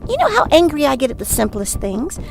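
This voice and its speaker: High-pitched, hot-tempered storybook wife, played by a woman, creaky edge, sugary one moment and snappish the next. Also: sing-song, brisk, a little mellow, faint music behind, heavily acted, low-quality recording. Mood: coaxing apology. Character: excitable, hot-tempered wife, sweet then sharp. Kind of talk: audiobook character dialogue.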